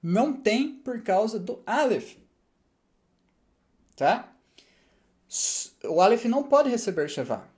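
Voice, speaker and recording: A man's voice: high voice, very animated, takes it slowly, pauses often, darkish tone. A man teaching a language lesson, checking understanding with frequent tag questions and answering his own rhetorical questions. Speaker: Hebrew teacher. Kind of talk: explanatory lesson.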